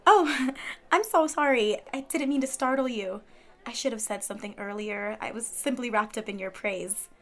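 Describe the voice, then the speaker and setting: A woman's voice: on the high side, moderate pace, fairly bright tone, lightly acted. A woman playing a gracious water nymph photographer in a fiction podcast, with a polite, effusive manner. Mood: gracious, apologetic.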